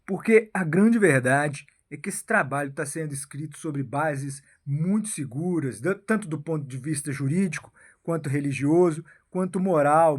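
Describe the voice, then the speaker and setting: High-voiced Brazilian man rambling on politics. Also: husky. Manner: keeps adding "né?" and "meu filho"; halting, repeats and restarts phrases. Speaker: political commentator.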